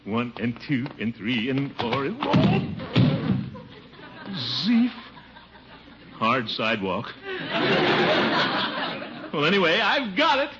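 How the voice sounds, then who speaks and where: An actor playing a pompous, boastful middle-aged bachelor in a 1950s radio sitcom, with a giggling laugh. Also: male voice, mid-range voice, wildly swooping pitch, takes it slowly, pauses often. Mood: pleased. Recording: dull hissy old radio broadcast.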